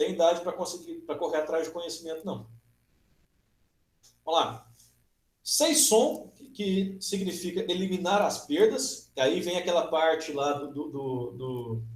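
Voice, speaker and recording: In a room with audible echo, a man speaks at a high pitch with lively intonation. He goes at a fairly slow pace with long, frequent pauses. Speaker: teacher. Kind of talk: lecture. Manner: halting.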